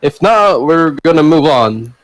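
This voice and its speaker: A man's voice: on the high side, animated, unhurried, rough recording. A man hosting a podcast in a casual group chat, joking in a crude, exaggerated way. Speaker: podcast host and reader.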